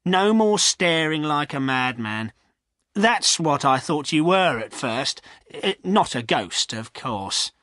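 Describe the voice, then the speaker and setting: A man's voice: a little high, sing-song, takes it slowly, bright, forceful tone, dry recording, clean studio sound, voice pushed up, full character voice. A man voicing a scornful village farrier who mocks talk of ghosts.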